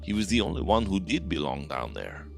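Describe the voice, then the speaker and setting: A man's voice: low voice, sing-song, a little fast, vocal fry, faint music behind, full character voice. A man voicing a haunted, withdrawn mine survivor. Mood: hollow.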